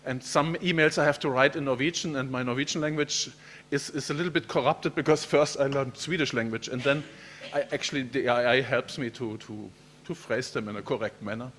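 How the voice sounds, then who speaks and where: A man's voice: mid-range voice, fairly even intonation, brisk, a bit bright, slight background noise. A man, a professor giving a keynote lecture in a friendly, chatty way, often repeating words as he speaks. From Germany.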